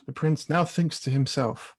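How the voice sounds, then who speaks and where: A man's voice: a little high, fairly even intonation, unhurried. A man reading scripted scene-setting narration as the narrator of a staged reading.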